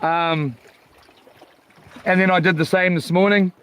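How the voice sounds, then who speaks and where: High-voiced man with broad Kiwi accent. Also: fairly even intonation, a little slow, a bit bright, smooth. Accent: broad New Zealand. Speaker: fishing livestream host. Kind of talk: casual live vlog chat. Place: outdoors on a small boat at sea. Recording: faint outdoor water and boat noise.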